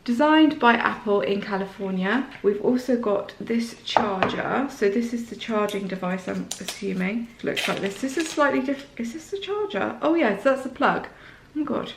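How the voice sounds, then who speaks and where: A woman vlogger with a slight sore throat, chatting excitedly through a casual unboxing indoors. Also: on the high side, moderate pace, vocal fry, reverberant, background noise.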